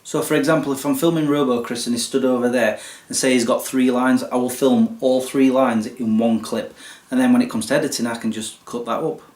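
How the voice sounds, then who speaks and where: A young YouTube creator, his voice mid-range, a little mellow and a little fast, with fairly even intonation, casually walks through how he films and edits his videos, poking fun at himself along the way. It's a relaxed behind-the-scenes explanation, and the recording has a roomy echo.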